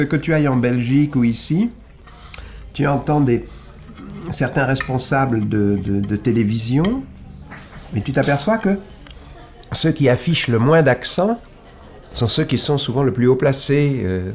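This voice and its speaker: Author guest, man, standard French accent, mid-range voice, halting and reflective. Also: medium pitch. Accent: standard Île-de-France French. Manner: thoughtful and halting, with wide swings in loudness and emphasis. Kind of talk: reflective conversation.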